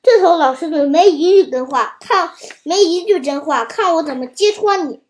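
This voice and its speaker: A woman's voice: extremely high pitch, lively intonation, normal speed. A woman reading a storybook who voices a clever, wary young bull calf who talks alertly and scornfully. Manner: alert, scornful when he sees through lies. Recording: roomy echo.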